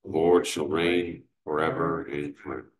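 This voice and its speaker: A man leading morning prayer as a priest, reciting psalms, canticles and the creed in a measured, steady way, recorded from a distance in a large cathedral. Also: very deep voice. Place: large cathedral sanctuary, indoors. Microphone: far camera. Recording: echoey cathedral room sound.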